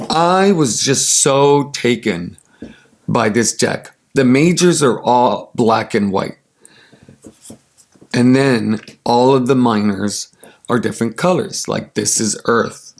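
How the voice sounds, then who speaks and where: A raspy man with allergies, casually chatting and enthusiastically showing off tarot cards, with many ums and uhs. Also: medium pitch, slow pace, pauses often. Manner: gushing, enthusiastic, with many fillers. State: congested from allergies. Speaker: tarot deck reviewer.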